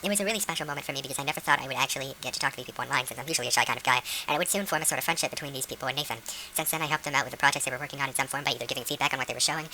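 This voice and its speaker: A woman's voice: very deep voice, sharp tone, a little hiss or hum, rough recording. Woman reading text at breakneck speed. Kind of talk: reading a document aloud.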